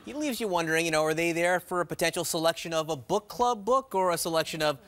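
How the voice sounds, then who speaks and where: A man's voice: fairly high pitch, fast talker, a bit bright. An American man anchoring a live TV news programme from a studio.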